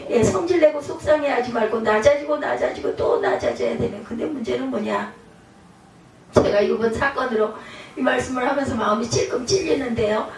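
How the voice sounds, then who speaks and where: A woman pastor preaching a sermon in a lively, dramatic way, often acting out the voices she quotes. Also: fairly high pitch, fairly quick, slight background noise. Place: church sanctuary. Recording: echoey church hall, mic at a distance.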